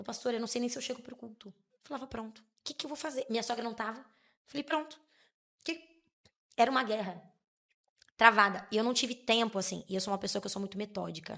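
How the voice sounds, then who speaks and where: A woman speaks in a bright, sharp, animated tone at a fairly high pitch and a very fast pace, with long, frequent pauses. Her loudness swings widely while her pitch varies in an ordinary way. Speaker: senior pastor. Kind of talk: podcast interview testimony.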